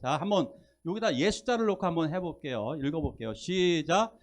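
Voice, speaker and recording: Speaking a little high and fairly quick, a male preacher leads a Sunday church service, posing questions to the people in the pews and joking around with them in a lively manner.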